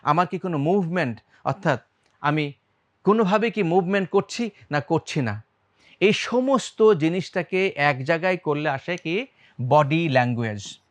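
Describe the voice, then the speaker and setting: Lively Bangladeshi man teaching public speaking. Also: a little high, measured pace. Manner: quizzes the audience, shifts loudness and speed on purpose; mixes English words into his talk. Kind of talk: lively talk to the audience.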